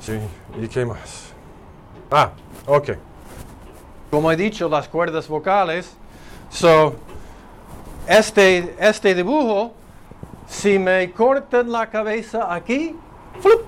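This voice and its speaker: Male phonetics lecturer, unhurried, a bit high-voiced, faint background hiss. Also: lively intonation. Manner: slow, explanatory, thinking aloud with fillers. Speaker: phonetics teacher. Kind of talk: spoken lecture.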